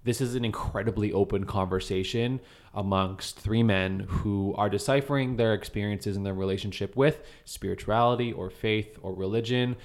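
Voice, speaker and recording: A man's voice: fairly low pitch, steady tone, moderate pace. A man hosting a podcast, talking earnestly and encouragingly about his beliefs. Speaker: podcast host. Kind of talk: casual podcast talk.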